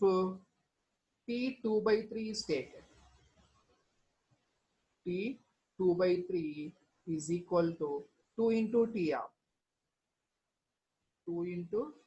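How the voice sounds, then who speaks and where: A woman's voice: fairly low pitch, lively intonation, takes it slowly, pauses often, dark tone, dull audio. A woman with a South Asian accent teaching a lesson, going through formulas step by step and prompting students with questions. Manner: addresses students with prompting questions and tag words. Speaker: chemistry teacher.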